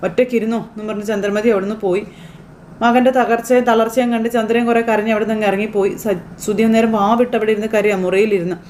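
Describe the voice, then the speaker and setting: A woman's voice: medium pitch, steady tone, quick pace, a little mellow, a little hiss or hum. A woman casually retelling a TV serial episode in a chatty way, full of tag fillers and loose restarts. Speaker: serial recap narrator.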